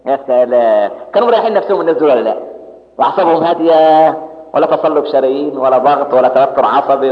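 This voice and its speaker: A man with an Egyptian accent, older, preaching a sermon and acting out the people in his stories. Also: sits high. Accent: Egyptian Arabic. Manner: lively storytelling, acts out quoted people. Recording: muffled recording in echoey hall.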